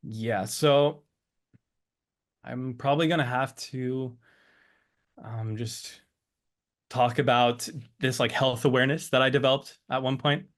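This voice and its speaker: Hesitant, reflective man at mid pitch. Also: fairly even intonation, unhurried, pauses often. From Switzerland and the United States. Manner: hesitant, searching for words. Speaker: interview guest. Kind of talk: reflective personal storytelling.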